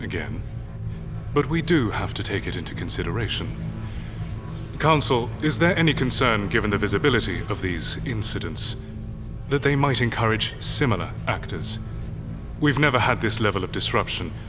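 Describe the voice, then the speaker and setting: Casting male actor: calculating high official of a sci-fi regime, formal, condescending, deepish voice, audio drama. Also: expressive, moderate pace, music in the background, natural voice. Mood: cold, scheming. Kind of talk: science fiction audio drama.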